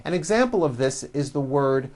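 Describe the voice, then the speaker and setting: A pronunciation teacher narrating a language lesson, giving instructions and enunciating example words with deliberate emphasis for the learner to repeat. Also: medium pitch, lively intonation, a little mellow. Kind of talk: language lesson narration with slow, repeat-after-me word drills.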